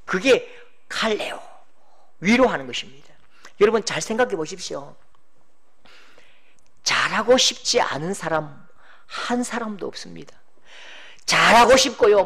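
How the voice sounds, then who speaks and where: A middle-aged pastor preaching a sermon, animated, acting out quoted voices and shouting for emphasis. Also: male voice, high-pitched, moderate pace, long pauses.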